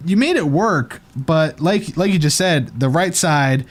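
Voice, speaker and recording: A man's voice: a little high, lively intonation, a little slow. A man hosting a casual chat show, talking chattily and hesitantly with a slight lisp from a retainer. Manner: chatty, hesitant, lots of ums. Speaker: show host. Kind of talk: casual chat reviewing setups.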